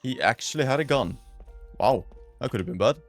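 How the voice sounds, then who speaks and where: A man hosting a gaming video, giving casual gameplay commentary with excited outbursts and casual slang. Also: medium pitch, a little fast, faint music behind.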